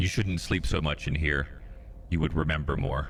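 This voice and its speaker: A man puts on a character voice pitched very deep and low. He speaks at a moderate pace over clear background noise. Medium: actual play. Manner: formal, stiff, unemotional.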